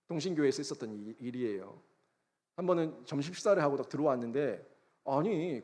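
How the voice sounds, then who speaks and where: A man preaching a sermon as pastor, telling a story with a Gyeongsang accent and acting out quarrels with sudden loud bursts. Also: high-pitched. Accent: Gyeongsang Korean. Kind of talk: sermon with anecdote. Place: church sanctuary.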